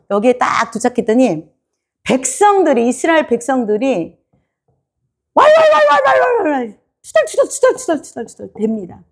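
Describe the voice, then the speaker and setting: Lively high-voiced woman preaching a sermon. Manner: lively, quizzes the congregation, acts out the people she describes. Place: church sanctuary.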